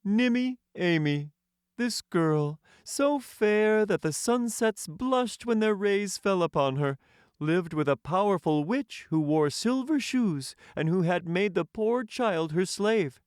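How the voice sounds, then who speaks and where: A man's voice: high-pitched, expressive, slow pace, a little mellow, clear, resonant tone, no echo, studio quality, pitched above the performer's own voice. A man voicing a proud, courtly tin man emperor who tells stories in formal, grand storybook language, cheerfully pleased with himself. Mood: wistful, earnest. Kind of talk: audiobook character voice.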